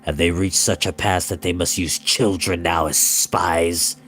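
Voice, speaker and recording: A man's voice: low-pitched, level tone, a little slow, fairly bright tone, faint music behind, voice pushed down. A man voicing a stern, proud Welsh rebel prince who speaks coldly and threateningly in a storybook reading. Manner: cold, grim, threatening.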